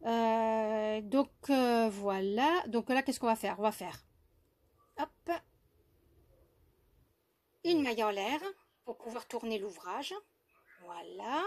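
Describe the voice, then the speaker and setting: A woman from France demonstrating crochet step by step, hesitant with many fillers and restarts, softly counting stitches under her breath. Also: fairly high pitch, slow, long pauses. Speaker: crochet tutorial host.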